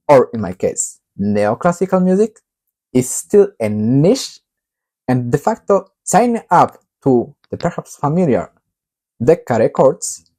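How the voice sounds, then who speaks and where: Guy reading his own novel out loud, warm mellow tone, steady with lots of little pauses. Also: medium pitch. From Poland. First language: Polish. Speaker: author.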